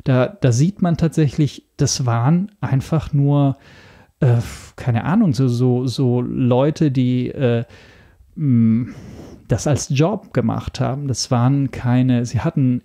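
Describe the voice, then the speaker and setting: Gravelly, mellow-voiced man thinking aloud. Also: medium pitch. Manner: halting, searching for words. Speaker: podcast guest. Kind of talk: casual interview, explaining.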